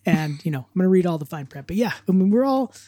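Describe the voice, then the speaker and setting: A man's voice: sits high, expressive, fast talker, dark tone, no echo. A man in his fifties, a podcast co-host, chatting casually with a wry, rambling way of talking. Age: 50s. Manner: rambling, self-correcting, wry.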